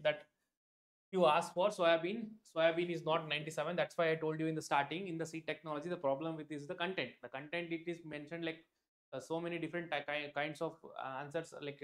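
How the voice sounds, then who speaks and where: A man's voice: fairly high pitch, fairly bright tone. Chatty Indian man teaching a live class. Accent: Indian English. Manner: chatty, repeats himself, many "like" fillers, addresses viewers by name. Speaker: online exam tutor. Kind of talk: live-stream lecture.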